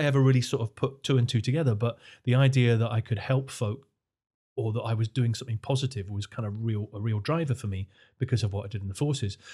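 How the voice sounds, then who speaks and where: A somewhat breathy, dark, mellow voice in a Scottish accent at a fairly quick pace, on a very clean recording with a silent background. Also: man. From Scottish Highlands. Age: 50s. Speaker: accessibility entrepreneur. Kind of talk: podcast interview.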